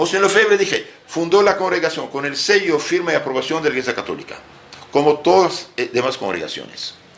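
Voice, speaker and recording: Against noticeable background noise, a man with a high pitch talks at a moderate pace with ordinary pitch variation. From Syria. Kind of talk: interview. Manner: halting.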